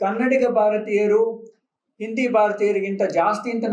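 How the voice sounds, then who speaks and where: A man with a high-pitched voice speaks over audible room echo. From Bangalore, India. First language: Telugu (speaking Kannada). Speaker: doctor and language activist. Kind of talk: public speech. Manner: impassioned.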